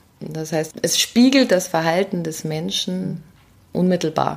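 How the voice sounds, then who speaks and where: A fairly low-pitched woman at a fairly slow pace, with noticeable background noise. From Munich, Bavaria; schooling in Vienna from teens. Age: 40s. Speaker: horse-assisted coach, former journalist. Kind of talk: interview. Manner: hesitant, many fillers.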